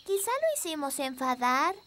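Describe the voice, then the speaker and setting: A woman's voice: high voice, sing-song, moderate pace, sharp tone, exaggerated voice. A woman voicing a sweet, eager little fairy princess girl in a Latin American Spanish cartoon dub, childlike and earnest. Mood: concerned, pleading.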